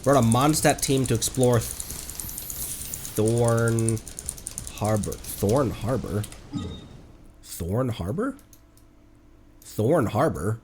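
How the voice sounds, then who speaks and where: A man chatting casually on a live game stream, playful and quick to react excitedly. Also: medium pitch, a little hiss or hum. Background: video game music.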